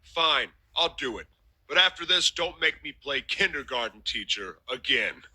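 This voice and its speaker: A man's voice: on the high side, expressive, normal speed, sharp tone, slightly rough, no room sound, heavily acted, rough recording. A man voicing a wrestling champion in a game cutscene, talking in a firm, no-nonsense way to settle a quarrel. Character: male wrestling champion, calm team mediator. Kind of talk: video game cutscene dialogue.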